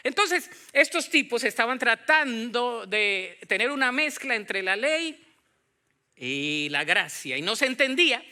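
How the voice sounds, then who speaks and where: A pastor preaches in Latin American Spanish with a strikingly high, very bright and forceful voice. His Bible-teaching sermon is conversational and animated; he acts out imagined dialogue and often turns to the congregation with questions.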